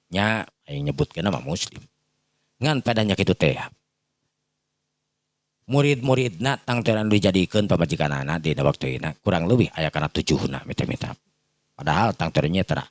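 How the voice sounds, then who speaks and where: A man's voice: low voice, no echo. A man with a Sundanese accent tells a folk tale in a rambling, improvised way, padding it with repeated filler phrases as he addresses his listeners. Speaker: storyteller.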